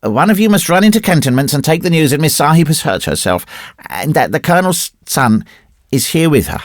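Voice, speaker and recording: A man's voice: on the high side, big pitch swings, brisk, no echo, clean studio sound, pitched above the performer's own voice. A man voicing a brave, imperious six-year-old boy in a storybook reading, earnest and solemn. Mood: commanding. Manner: commanding, childishly solemn.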